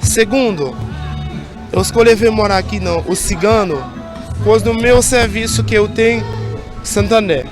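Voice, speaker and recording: A man's voice: sits high, normal speed, long pauses. A man from Haiti with a Haitian accent, answering in a news interview in simple, learner's Portuguese. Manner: simple learner's phrasing, enumerating points. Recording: news clip with music behind.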